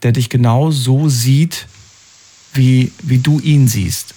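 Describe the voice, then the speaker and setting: A man hosting a call-in radio show, giving callers empathetic advice and coaxing them with questions that swing up in pitch. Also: fairly even intonation, takes it slowly, warm tone, breathy edge.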